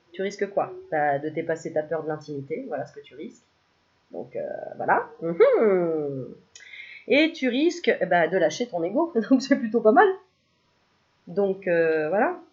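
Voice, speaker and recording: Une femme qui tire des cartes de spiritualité, bavarde et joueuse, qui rit souvent et lance parfois des chants pour rire. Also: female voice, mid-range voice, a little mellow, lo-fi sound. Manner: chatty, playful, laughs often, bursts into mock singing. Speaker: spiritual card reader. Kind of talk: casual card-reading video.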